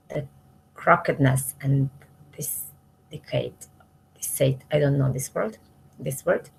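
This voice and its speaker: Woman slowly reading spiritual verses, low gravelly voice, endings trail off soft, bit of background noise. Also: low-quality recording. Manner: measured, pausing between short phrases, phrase endings trailing off softly. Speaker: reader of spiritual scripture, commenting as she goes. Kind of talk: slow devotional reading aloud of verses.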